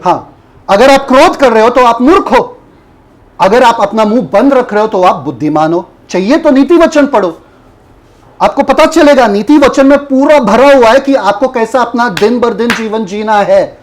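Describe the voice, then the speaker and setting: A man's voice: very high-pitched, lively intonation, normal speed, a little hiss or hum. A man preaching a Bible lesson who keeps asking his listeners questions and repeating their answers. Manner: mocking role-play of a foolish person. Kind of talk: Bible teaching sermon.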